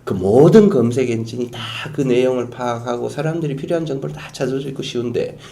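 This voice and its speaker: A middle-aged man, a guest expert, explaining in an animated way on a talk show, with quiet asides and emphatic bursts. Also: mid-range voice, fast, creaky.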